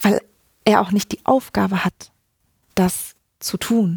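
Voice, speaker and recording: Somewhat breathy, a woman speaks at a very slow pace with medium pitch and ordinary pitch variation. The sound is dry and close, with no echo. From Germany, East Westphalia-Lippe. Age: 40s. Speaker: educator, former missionary. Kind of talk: interview. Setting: studio.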